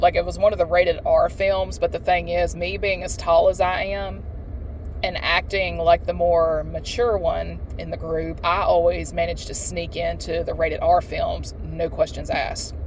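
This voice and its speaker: A speaker with a Southern US accent talks over noticeable background noise. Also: moderate pace. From US South, Alabama. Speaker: tarot reader. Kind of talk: casual psychic reading monologue.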